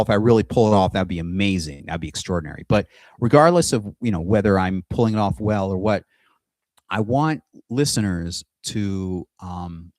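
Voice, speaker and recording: A middle-aged man talking to camera in a casual monologue, halting often with restarts and pauses while he shares his screen. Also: fairly low pitch, a little mellow, no echo. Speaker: aspiring singer and video host. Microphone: computer mic with screen sharing.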